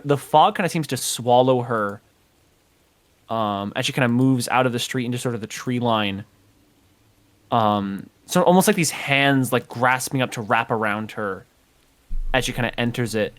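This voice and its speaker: A man's voice: medium pitch, fairly bright tone. Hesitant male game master. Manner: hesitant, full of ums and kinda. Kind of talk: narrating a tabletop game.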